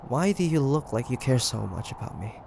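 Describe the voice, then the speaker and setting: A man playing a grumpy, flustered demon hunter who secretly cares, speaking in a halting, defensive way in a roleplay audio drama. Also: mid-range voice, very animated, gravelly, noisy background.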